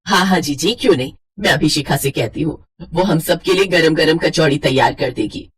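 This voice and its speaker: A woman's voice: normal speed, husky. A woman doing a firm middle-aged mother-in-law. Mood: commanding. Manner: lower, firm, instructive.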